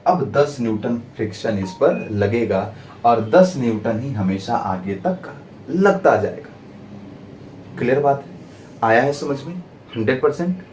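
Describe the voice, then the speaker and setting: A man's voice: medium pitch, lively intonation, a little slow, a little mellow, far from the mic, a little hiss or hum. Man teaching physics in a roomy hall. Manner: dramatic, personifies friction pleading; asks students rhetorical checks. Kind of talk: exam-prep lecture.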